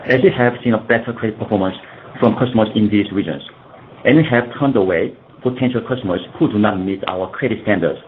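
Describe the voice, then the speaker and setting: A man in the role of a company executive, formally reading prepared earnings call remarks and sometimes stumbling over his words. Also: on the low side. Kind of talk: scripted earnings call presentation. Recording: dull lo-fi conference call, faint noise.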